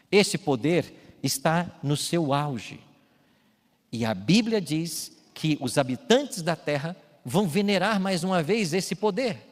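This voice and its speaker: A man preaching a sermon as a pastor in a church, speaking emphatically and building to loud calls. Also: mid-range voice. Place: church with baptismal tank. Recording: long hall reverb, faint music.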